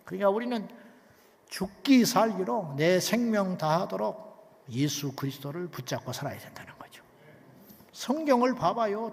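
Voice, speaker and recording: A male pastor preaching an emphatic sermon, dropping to near whispers and then rising loud, with many rhetorical questions to the congregation. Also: high voice, vocal fry, in a large hall.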